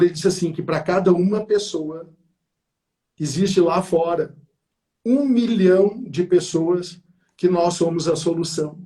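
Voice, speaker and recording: Casting: high-pitched man, effusive interview host who acts out anecdotes. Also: warm tone. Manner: effusive, acts out quoted voices with big pitch jumps. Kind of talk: enthusiastic interview chat.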